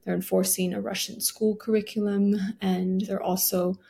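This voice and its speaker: Lady researcher explaining a report, super creaky voice, flat formal delivery. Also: mid-range voice, moderate pace. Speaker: report author interviewed. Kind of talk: interview soundbite.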